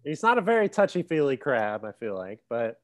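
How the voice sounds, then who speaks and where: A man's voice: mid-range voice, sing-song, fairly quick. A man co-hosting a casual podcast chat, laughing often as he tells the story. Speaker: podcast co-host.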